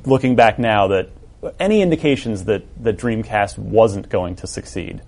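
A man's voice: fairly low pitch, normal speed, darkish tone. A man hosting an interview, asking conversational, hedged questions and adding short agreements.

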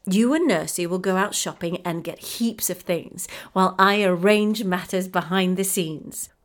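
A woman voicing a cheerful, loving mother with a warm, teasing manner in a storybook reading. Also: fairly low pitch, moderate pace, natural voice. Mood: playful.

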